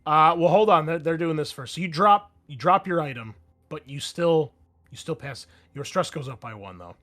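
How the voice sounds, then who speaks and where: A man's voice: a little high, lively intonation, moderate pace, a bit bright. A man running a tabletop roleplaying game, explaining action and rules in a casual, profane way. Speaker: game master.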